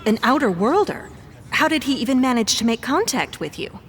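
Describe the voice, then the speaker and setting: A woman's voice: on the high side, big pitch swings, a little fast. An actress playing a pushy, probing female news reporter in an audio drama, firing insistent leading questions. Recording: noisy crowd ambience behind.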